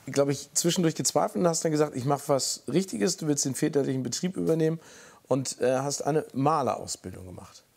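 A man's voice: fairly high pitch, animated, fairly quick, gravelly. A man hosting a TV talk show, upbeat and encouraging, steering guests with questions. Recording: TV studio with loud audience and noise.

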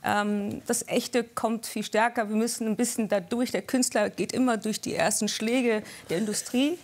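Thoughtful woman with a slightly high voice. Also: steady tone, moderate pace. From Spain, Basque Country. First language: Basque. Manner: thoughtful, searching for words with many fillers. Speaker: panel guest, musician. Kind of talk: casual TV talk show chat.

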